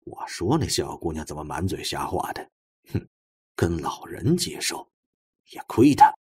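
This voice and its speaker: Man voicing a husky, offhand detective chief. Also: very deep voice, big pitch swings, unhurried, a little mellow, voice pushed down, exaggerated voice. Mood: musing, sardonic. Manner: colloquial, grumbling, offhand. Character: shrewd, laid-back male detective chief, casually sardonic.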